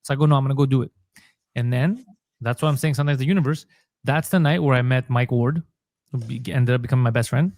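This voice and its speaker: Talking fast in a medium-pitched, darkish voice, this Montreal comedian and podcaster recounts his story during a relaxed interview and performs the lines he quotes. The recording is dry and of studio quality.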